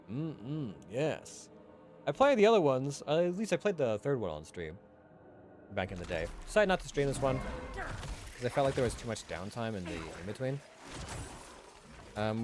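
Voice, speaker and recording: A man casually commenting while he streams a video game, chatting in a relaxed way over its dialogue. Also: medium pitch, slight background noise.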